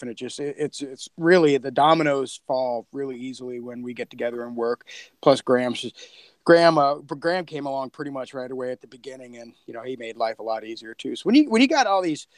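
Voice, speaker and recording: A man hosting a podcast in casual chat, talking in a laid-back, halting, rambling way. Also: mid-range voice, no echo. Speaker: podcast co-creator and host.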